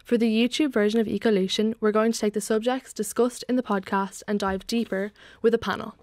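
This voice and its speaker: A woman's voice: fairly high pitch, fairly even intonation, a little fast, darkish tone, dry recording. Young woman hosting, dry studio. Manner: friendly, scripted-sounding introductions and easy questions to guests. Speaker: podcast host. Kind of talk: hosting a panel discussion. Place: TV-style studio set, indoors. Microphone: large desk microphone, wearing headphones.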